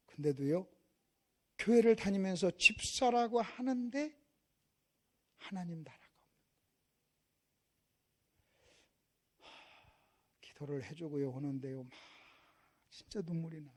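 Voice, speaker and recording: A middle-aged man from Korea preaching a revival sermon in a church, passionate and swinging from hushed storytelling to shouting. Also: on the high side. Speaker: pastor. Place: church sanctuary.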